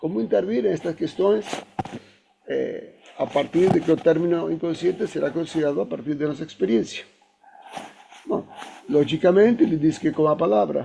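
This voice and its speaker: A man speaks with a Spanish accent at a high pitch and a moderate pace. He takes long, frequent pauses. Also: lively intonation. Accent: Spanish-accented Portuguese (portunhol). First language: Spanish (speaking Portuguese). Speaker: psychoanalyst presenting a seminar. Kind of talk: lecture. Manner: halting, with many fillers and repetitions.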